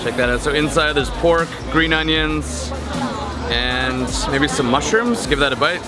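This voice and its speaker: A man's voice: fairly high pitch, a little slow. A man in his thirties vlogging, enthusiastically describing and tasting street food at a busy outdoor night market. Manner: upbeat, enthusiastic narrating while tasting food. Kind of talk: casual travel vlog chat. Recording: loud music and crowd behind.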